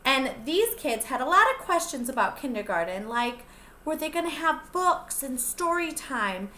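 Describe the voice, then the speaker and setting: A young woman pre-K teacher reading a picture book aloud to small children, slow and gentle, stopping to ask them questions. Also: high-pitched, big pitch swings, roomy sound, slight background noise. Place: classroom.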